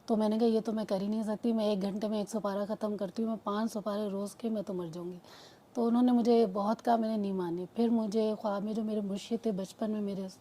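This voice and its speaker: Her voice mid-range, mellow, and steady, an adult woman with two children shares a heartfelt testimony. The account wanders, begins again many times, and quotes what people said.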